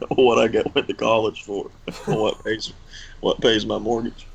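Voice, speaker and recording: A man joining a trading stream over a video call, chatting casually and telling quick self-deprecating stories. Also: on the low side, fairly even intonation, vocal fry, slight background noise. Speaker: stream participant. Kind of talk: casual chat.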